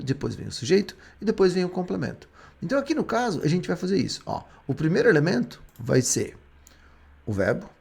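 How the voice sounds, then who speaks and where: A man's voice: a little high, slightly rough. A Brazilian man, a native Portuguese speaker, explaining English grammar step by step as a teacher. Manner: explains step by step, with frequent restarts.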